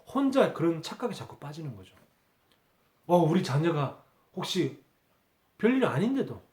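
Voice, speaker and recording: Male pastor, higher voice, Sunday sermon, repeats key words, reverberant hall. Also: a little mellow. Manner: rhetorical questions answered himself, repeats key words. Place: church sanctuary.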